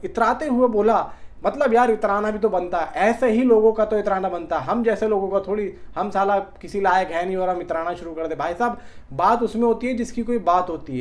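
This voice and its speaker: A man giving casual film news commentary, talking colloquially and directly to fans like a chatty YouTube host. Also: high-pitched. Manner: colloquial, chatty, addresses viewers as brother.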